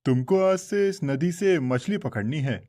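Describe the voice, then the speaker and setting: A man's voice: on the high side, lively intonation, measured pace, mellow. A man voicing a stern older village boss in a cartoon, talking in a bossy, scolding way. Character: stern older male fish-pond boss. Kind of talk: Hindi cartoon voice acting.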